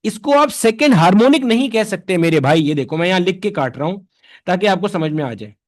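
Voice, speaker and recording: A man leads a physics lesson in a high, bright-toned voice. He talks to the class casually, firing off questions and answering them himself. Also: lively intonation, a little fast. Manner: conversational, answers his own questions in students' voices. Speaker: physics teacher. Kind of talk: classroom lecture.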